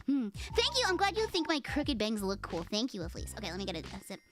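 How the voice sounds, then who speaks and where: A woman's voice: a little high, huge pitch swings, fast talker, fairly bright tone. A young woman VTuber chatting casually on a livestream, giggling and rambling with many fillers as she reads comments. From United States. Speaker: VTuber streamer. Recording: music playing behind voice.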